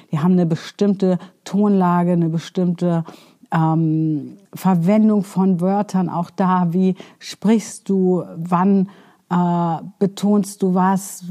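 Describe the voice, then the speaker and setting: A woman's voice: lowish voice, warm tone. A woman giving spoken coaching advice, speaking earnestly and directly to the listener, asking rhetorical questions and using many fillers. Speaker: self-improvement coach.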